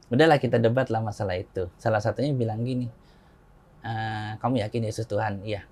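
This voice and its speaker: A man's voice: fairly low pitch, fairly quick. Middle-aged Indonesian man telling a story. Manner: lively, acts out quoted dialogue with raised voice, chuckles often. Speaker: interview guest. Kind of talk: conversational personal storytelling.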